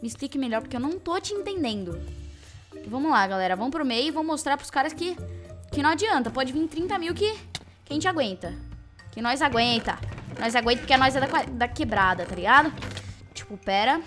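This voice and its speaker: A young woman, doing excitable, mock-boastful gameplay commentary. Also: high-pitched, brisk, faint music behind. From Brazil. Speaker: gaming channel host. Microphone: desktop studio microphone.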